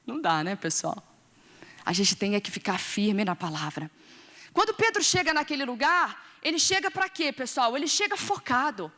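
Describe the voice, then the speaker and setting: Brazilian woman preacher, kinda high voice, keeps asking the crowd stuff, echoey hall sound. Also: normal speed. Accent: Brazilian Portuguese. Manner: animated, questions the audience and acts out voices. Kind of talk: sermon.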